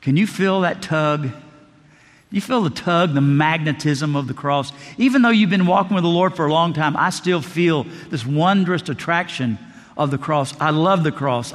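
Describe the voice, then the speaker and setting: A man's voice: a little high, moderate pace. Older man preaching in a reverberant hall. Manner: conversational, jokey preaching with sudden soft drops. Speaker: pastor. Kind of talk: sermon. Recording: long reverb of a large hall.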